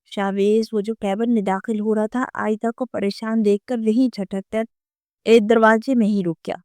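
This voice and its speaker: A woman narrating a romance novel audiobook in a steady dramatic storytelling voice. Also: medium pitch, dry recording, studio quality.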